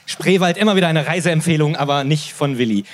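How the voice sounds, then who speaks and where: A man from the Sauerland hosting a limerick reading event, chatting between readings and reciting limericks slowly. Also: fairly high pitch. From Sauerland, Germany. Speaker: host.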